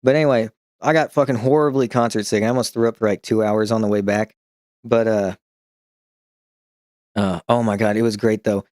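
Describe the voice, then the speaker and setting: A man streaming in a casual chat, telling rambling, profane stories with frequent restarts and chuckling along, who picks up a slight New York twang when he gets excited. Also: on the low side, a little fast, pauses often, dry recording, clean studio sound. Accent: slight New York-style twang when excited.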